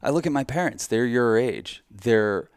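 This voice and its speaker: A man's voice: mid-range voice, expressive, measured pace, clean tone, no room sound, clean studio sound. An American man hosting a podcast conversation in a casual, candid and informal way. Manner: candid, informal, freely swearing. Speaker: podcast host.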